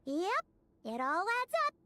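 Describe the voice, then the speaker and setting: A woman voicing a tiny, chirpy, curious female fairy companion in a video game, with a very high, squeaky voice. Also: measured pace, full character voice. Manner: excited, inquisitive. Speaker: game character.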